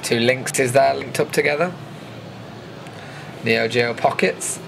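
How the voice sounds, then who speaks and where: A man hosts with a casual voice-over at a middling pitch. His delivery is informal and dryly jokey, with an enthusiast's interest. There is faint noise behind him. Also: takes it slowly, creaky. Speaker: video host narrating event footage.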